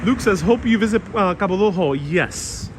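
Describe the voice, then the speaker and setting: Queens hispanic guy, native spanish speaker, chatty walking-tour livestream, voice sits a bit high, noisy street with cars going by. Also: moderate pace. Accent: Queens Hispanic New York. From Puerto Rico, raised in New York. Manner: relaxed, chatty, reads out viewer comments. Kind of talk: casual live walking tour, chatting with viewers. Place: outdoors on a town street with passing traffic. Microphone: phone-mounted mic while walking. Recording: noisy outdoor street recording.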